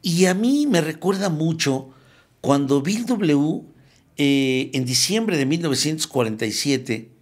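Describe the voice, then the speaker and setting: A man giving a spiritual recovery talk, telling it as a lively story and repeating phrases for emphasis. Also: on the high side, measured pace. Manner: lively storyteller who acts out the quotes he tells. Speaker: speaker at a recovery group meeting.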